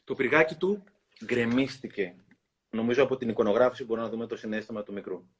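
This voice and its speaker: A man hosting a talk, reading a children's book aloud in an expressive storytelling way and pausing to comment. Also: mid-range voice, a little hiss or hum. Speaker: host.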